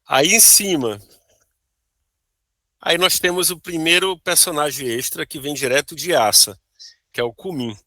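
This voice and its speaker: A man's voice: a little high, a little slow, pauses often, pushed and bright, no room sound, studio quality. A Brazilian man, a board game designer, explaining his prototype over a video call, checking in with "né?" and "tá bom?". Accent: Brazilian Portuguese. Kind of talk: casual interview chat.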